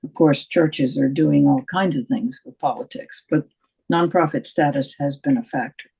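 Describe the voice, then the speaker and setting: A man's voice: a little high, moderate pace, vocal fry, mellow, husky, low-quality recording. A man in a group discussion making a matter-of-fact comment. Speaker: group member.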